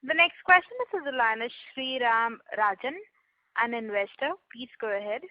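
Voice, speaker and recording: A woman with a fairly high voice speaks over a dull, dry phone line. She delivers scripted operator announcements in a formal, procedural way. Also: expressive, normal speed, no room sound. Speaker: conference call operator.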